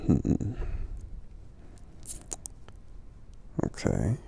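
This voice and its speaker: A man playing a kindly, considerate giant friend in a soft-spoken ASMR roleplay, gentle and hesitant, murmuring with thoughtful hums in a gravelly half-whisper. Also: deep voice, full character voice. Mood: thoughtful, curious.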